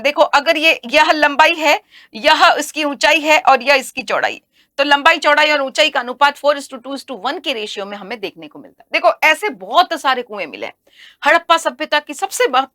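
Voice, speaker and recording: High, bright-voiced woman teacher. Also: no echo, clean studio sound. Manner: animated, asks and answers her own questions. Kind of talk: recorded exam-prep history lesson. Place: teaching studio.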